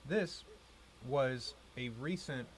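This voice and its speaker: A man co-hosting a casual podcast, playful and quick with jokes. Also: medium pitch, a little hiss or hum. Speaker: podcast co-host, band member. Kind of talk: casual chat.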